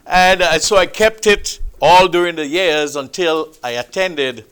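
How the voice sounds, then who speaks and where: A man preaching a sermon, with a loud, booming, emphatic delivery, speaking into a microphone in a church hall. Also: measured pace, clear, resonant tone. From Trinidad. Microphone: handheld or stand mic.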